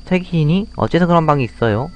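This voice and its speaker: A man voicing a gentle, protective little girl in a soft, childlike voice over a game. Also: fairly high pitch, animated, quick pace, highs cut off, soft background music, voice pushed up, lightly acted. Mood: curious.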